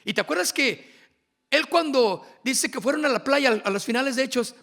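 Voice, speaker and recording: High gravelly preacher. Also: male voice, animated, pushed and bright. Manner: emphatic, drawn-out phrasing with asides. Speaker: worship workshop speaker. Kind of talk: preaching at a workshop.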